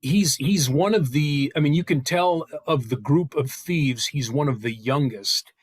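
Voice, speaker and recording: A middle-aged man chatting casually on a video call, often pausing partway through his sentences. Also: fairly high pitch, slightly rough, dry recording, clean studio sound. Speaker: table read participant. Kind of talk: casual chat.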